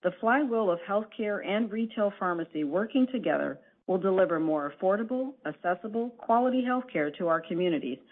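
A woman company executive giving a formal, scripted earnings presentation in a measured, deliberate way over a conference call line. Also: medium pitch, animated. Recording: narrowband phone conference line.

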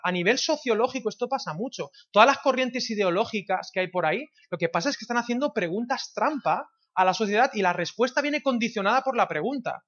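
Animated Spanish pastor preaching. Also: male voice, high-pitched. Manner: animated, rhetorical questions to the congregation. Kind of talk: sermon. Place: church. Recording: dull slightly lo-fi sound.

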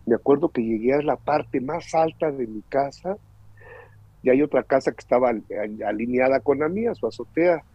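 A man's voice: mid-range voice, moderate pace, breathy edge, no echo. A middle-aged man with a Mexican accent, giving an earnest, emotional personal testimony in conversation. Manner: earnest, emotional storyteller who acts out the voices in his story. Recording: dull lo-fi recording.

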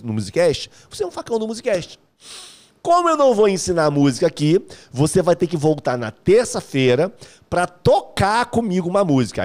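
Lively man hosting a live stream. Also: on the high side. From Rio de Janeiro, Brazil. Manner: energetic, slangy, joking, calls viewers "meu brother". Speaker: host of a live music course stream. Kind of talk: casual live-stream chat reading viewer comments.

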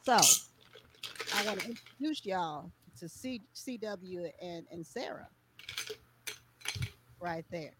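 Brief: sassy woman co-host, very expressive pitch, clear background noise. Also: takes it slowly, long pauses. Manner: lively, sassy, profane. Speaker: co-host, DJ's partner. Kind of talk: casual chat. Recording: noisy background.

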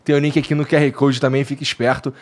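A man's voice: medium pitch, level tone, quick pace. A Brazilian man hosting a casual podcast, chatty and upbeat as he reads sponsor plugs. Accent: Brazilian Portuguese. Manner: chatty, upbeat, filler-heavy. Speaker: podcast host.

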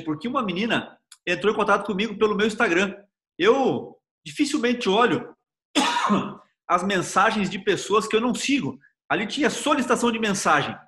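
Bright high-voiced Bahian pastor. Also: male voice. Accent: Bahian Portuguese. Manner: storytelling, earnest, personal anecdotes. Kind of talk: devotional sermon.

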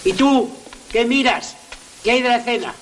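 An actor playing a flustered, exasperated elderly marquis who stammers, on an old film soundtrack. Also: male voice, very high voice, moderate pace, a little hiss or hum. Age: older.

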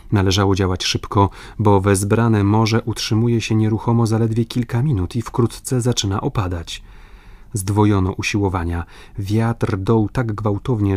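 Man reading an audiobook, low voice, steady and measured, dry close sound. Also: dry recording. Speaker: audiobook narrator. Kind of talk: scripted narration.

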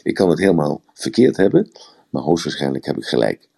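A man's voice: extremely low pitch, sing-song, fairly quick, creaky, dark tone, husky. A man giving a rambling, explanatory talk on communication in a live audio room, often repeating words. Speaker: speaker on communication.

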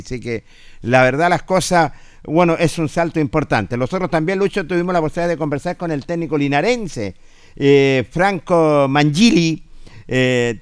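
A man with a Chilean accent co-hosting a casual sports radio show, speaking haltingly and repeating himself. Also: a little high, smooth, no room sound.

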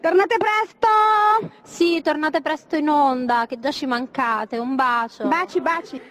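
A woman's voice: high-pitched, slow pace, fairly bright tone. A woman with a southern Italian, Neapolitan accent, speaking in a playful recorded greeting. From southern Italy. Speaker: guest performer sending a greeting.

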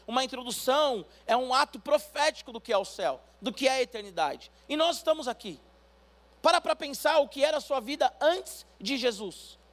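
High-voiced Brazilian pastor preaching. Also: male voice. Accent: Brazilian Portuguese. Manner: preaching, building to loud emphatic calls for congregation response. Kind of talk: sermon.

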